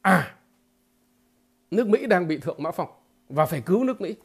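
A man giving a political commentary monologue to his viewers, halting and repeating filler words, emphatic and blunt. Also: high-pitched, very animated, creaky, breathy edge. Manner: emphatic, with blunt crude imagery.

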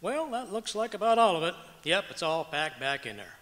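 A man's voice: high voice, very animated, brisk, heavy background noise. A man playing a blustering, boastful, cranky husband in an old-time radio comedy, folksy and argumentative. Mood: boastful, irritated. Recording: echoey auditorium stage with long reverb.

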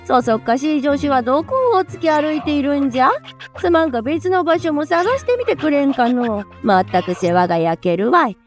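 A woman voicing a fussy, bossy old male professor in a gruff, strained low voice, as she plays a video game. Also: animated, brisk, faint music behind. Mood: grumbling. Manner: grumbling, old-fashioned speech. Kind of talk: voicing a game character during a playthrough.

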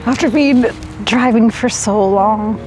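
A woman's voice: a little high, slow, darkish tone, a little hiss or hum. Anxious rambling young woman vlogging. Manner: anxious, rambling with many restarts and fillers. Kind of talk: casual vlog talk to camera. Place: inside a car, then a small cabin and outdoors. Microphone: handheld camera at arm's length.

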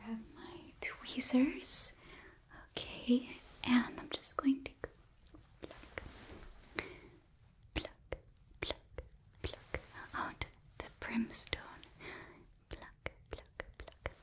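A young woman playing a sweet, earnest hotel hostess from Hell in a whispered ASMR roleplay, gently coaxing and a little hesitant, close to the microphone. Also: a little high, very slow, long pauses. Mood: gentle, attentive. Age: young adult. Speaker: ASMR performer.

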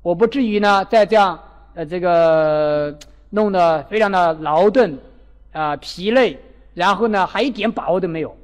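High-voiced man telling a sermon story. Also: moderate pace. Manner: animated, acts out quoted characters. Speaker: Buddhist dharma teacher. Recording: long hall reverb.

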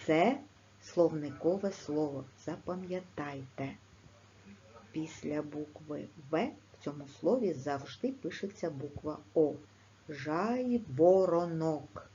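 A woman with a Ukrainian accent teaching a video lesson to schoolchildren, dictating slowly and clearly. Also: low-pitched, mellow. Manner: slow, clear, instructive dictation. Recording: slightly dull, faint background noise.

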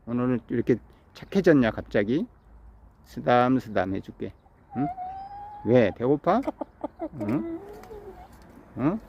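A man's voice: medium pitch, sing-song, unhurried, long pauses, darkish tone, muffled recording, slight background noise. A man on a rooftop in the early morning, chatting to his pet chicken in a coaxing, teasing way, like he would talk to a child. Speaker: pension owner talking to his pet chicken.

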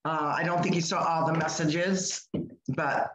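An older woman with a hoarse voice co-hosting a live podcast, chatting in a rambling way with lots of restarts, over a video call from home. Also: deep voice, fairly even intonation, measured pace, roomy sound, poor audio. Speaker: podcast co-host. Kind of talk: casual live podcast chat.

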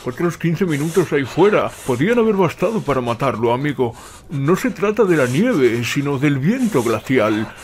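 A man portrays a bar regular in an audio drama. He is plain-spoken, with a medium pitch and animated melody, over faint background ambience. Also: normal speed, a little hiss or hum. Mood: grave, matter-of-fact. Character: plain-spoken bar regular named Booth, fond of cognac.

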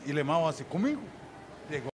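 A man's voice: high voice, a little fast, slight background noise. A middle-aged Costa Rican man telling anecdotes in casual chat, acting out the voices of the people in his stories. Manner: animated, acts out quoted voices loudly. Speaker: guest storyteller.

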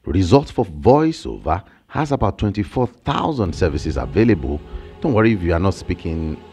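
A man with a Nigerian accent and a fairly low voice talks up online side gigs, his pitch leaping around as he presses each point. He is in his thirties, close on a studio mic, with faint music under him. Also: moderate pace. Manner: animated, emphatic, gestures with hands. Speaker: online income creator. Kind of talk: energetic explainer vlog. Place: small home studio with shelves and plants, indoors. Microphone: large studio mic on a boom, close.

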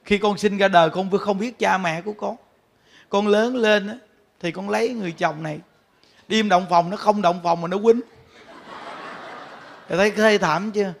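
A Buddhist monk gives a sermon as animated storytelling, laughing often and addressing his listeners directly. His voice sits high and creaky, at normal speed with long pauses.

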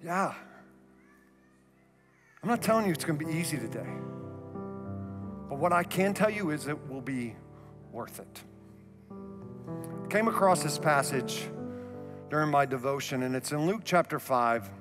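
A man in his thirties preaching a sermon on a church stage through a headset mic, animated and moving around, dropping to a soft low voice for emphasis. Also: a little slow, pauses often. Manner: animated, gestures widely while pacing the stage. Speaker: pastor. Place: large church auditorium stage. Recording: reverberant hall, faint music.

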